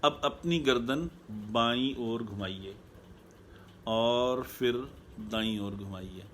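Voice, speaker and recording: Calm, measured male happiness coach. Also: mid-range voice, a little hiss or hum. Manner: calm, measured, repeats key points. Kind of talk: live online talk.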